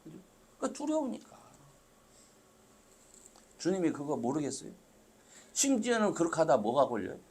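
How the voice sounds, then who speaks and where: A middle-aged man preaching a sermon as pastor, talking to the congregation in a conversational way that swells suddenly loud for emphasis and drops to soft asides. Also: a little high, wildly swooping pitch, moderate pace, pauses often, husky. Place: church sanctuary.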